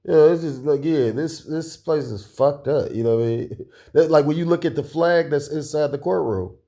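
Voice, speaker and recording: A man in casual podcast talk, rambling with many fillers and restarts and chuckling often, with a deep voice. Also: normal speed, vocal fry, warm tone. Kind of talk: casual conspiratorial chat.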